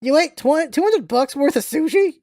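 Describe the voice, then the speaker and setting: A woman's voice: high-pitched, animated, moderate pace, dark tone, dry recording, studio quality, pitched above the performer's own voice. A woman playing an easygoing, reluctant but kind soldier in a story reading, talking in casual, slightly hesitant slang. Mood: incredulous.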